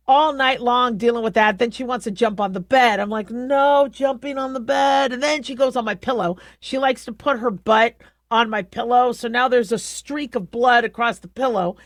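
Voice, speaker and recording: A middle-aged woman hosting a radio talk show, telling a rambling story in a casual way and acting out her pets in high squeaky voices. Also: moderate pace, fairly bright tone, no room sound, studio quality.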